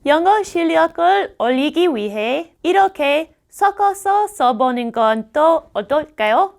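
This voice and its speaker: A middle-aged American woman whose first language is English, teaching grammar on a video lesson and drilling words slowly and carefully. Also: high-pitched, expressive, vocal fry. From United States.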